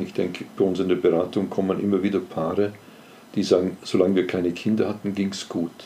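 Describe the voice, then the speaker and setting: A man with a very deep, low pitch speaks at a fairly quick pace in a monotone, flat intonation. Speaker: couples counselor. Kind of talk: interview.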